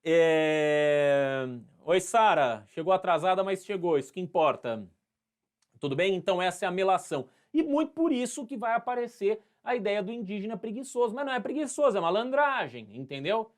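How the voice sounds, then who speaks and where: A man's voice: high-pitched, animated, moderate pace. A man with an interior São Paulo accent, teaching a live history class in a playful, chatty way, acting out little scenes and greeting students by name. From Brazil.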